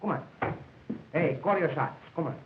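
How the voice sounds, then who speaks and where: A wisecracking hustler, early talkie film. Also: male voice, a little high, lively intonation, normal speed. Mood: brash. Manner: wisecracking, pushy, broken English. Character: brash broken-English male hotel hustler. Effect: early talkie film soundtrack. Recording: tinny, echoey early sound film with hiss.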